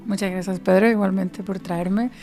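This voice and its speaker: Flat-toned woman giving career advice. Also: medium pitch, moderate pace, soft background music. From Spain. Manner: explanatory, evenly paced answers. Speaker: podcast guest, career advisor. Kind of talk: interview podcast.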